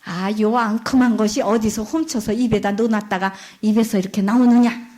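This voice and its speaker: A woman's voice: medium pitch, a little slow, natural voice. A woman voicing a harsh stepmother in a folk tale, scolding sharply.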